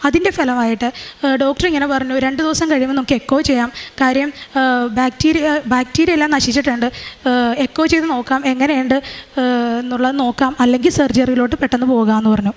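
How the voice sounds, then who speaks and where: High-voiced woman giving testimony. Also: steady tone. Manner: halting, with many fillers and restarts. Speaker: testimony speaker. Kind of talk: religious testimony, personal account.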